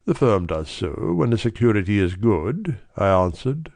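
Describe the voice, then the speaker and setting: A man's voice: on the low side, very animated, normal speed, a little mellow, no echo. A man voicing a distraught, dignified middle-aged banker pleading his case earnestly. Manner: agitated, earnest, breathless pleading.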